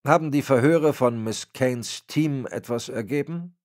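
A man voicing a frail, cold old crime boss who gives orders in a raspy voice. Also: medium pitch, unhurried, a little mellow, voice pushed up, natural voice. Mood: icy. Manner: cold, commanding. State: raspy, cracking voice.

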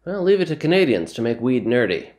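Man, thirties, parody news anchor, mock-serious, scripted headlines, very lively intonation. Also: medium pitch, quick pace. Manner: mock-serious newscaster delivery of jokes.

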